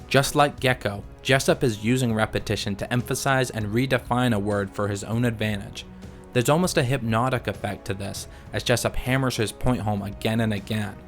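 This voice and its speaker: A man narrating a scripted video essay in a measured, analytical way. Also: on the low side.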